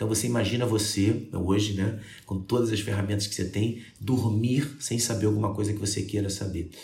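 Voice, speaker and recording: Fairly low in pitch with a dark, mellow tone, a somewhat breathy man talks at a fairly quick pace with hardly any pauses, fairly even intonation and audible room echo. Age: 40s. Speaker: motivational speaker and author. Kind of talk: casual interview.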